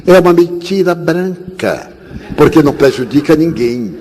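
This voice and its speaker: Animated man telling stories in a hall. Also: fairly high pitch, moderate pace. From Bahia, Brazil. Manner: theatrical, acts out every character. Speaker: spiritist speaker. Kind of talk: storytelling lecture to an audience. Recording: echoey hall, faint hiss.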